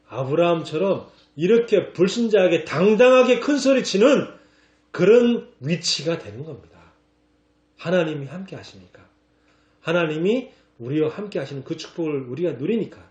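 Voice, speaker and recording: A man pastor preaching a lively sermon, acting out scripture in casual slang and laughing along. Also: a little high, moderate pace, roomy sound, muffled recording.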